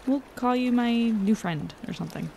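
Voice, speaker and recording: An actress playing a relaxed, reassuring young woman in a naturalistic audio drama. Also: fairly high pitch, normal speed, gravelly, slight background noise.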